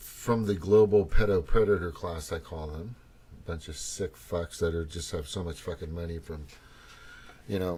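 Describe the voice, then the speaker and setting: A man with a very deep, low voice speaks at a moderate pace, his pitch varying in an ordinary way while his loudness swings widely. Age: 60s. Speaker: political commentary video host. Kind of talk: casual political monologue. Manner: halting, many fillers and repetitions; animated, profane rant.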